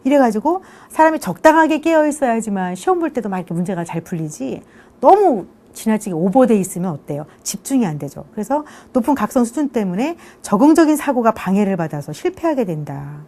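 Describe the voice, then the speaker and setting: Middle-aged woman lecturer, mellow tone, very animated intonation, chatty, keeps checking for agreement. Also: fairly high pitch, fairly quick. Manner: conversational, keeps asking "그죠?" for agreement; rhetorical questions, answers them herself. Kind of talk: online university lecture.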